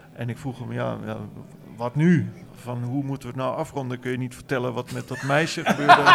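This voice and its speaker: Ordinary pitch variation marks the fairly quick speech, with noticeable background noise behind it. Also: man, medium pitch for a man. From Germany. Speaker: film festival organiser. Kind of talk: live interview. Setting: stage with audience.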